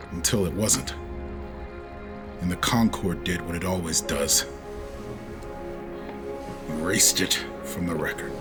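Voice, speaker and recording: An actor playing a homesick spaceship captain in a sci-fi audio drama, earnest and fiery, full of longing for his lost world. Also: deep voice. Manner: emotive, swinging from hushed pleading to outbursts.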